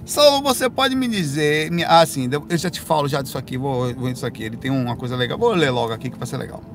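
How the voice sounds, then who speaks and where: A Brazilian man, hosting a casual live stream, answering viewer comments in a rambling, self-correcting way with animated bursts. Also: medium pitch, fast. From Brazil, raised in Bahia. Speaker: livestream host answering viewer questions.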